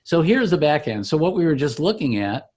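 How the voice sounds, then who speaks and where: A man giving an informal software demo as a company founder, explaining each click like a salesman. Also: on the high side, big pitch swings, a little fast, breathy edge. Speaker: company founder demonstrating his product.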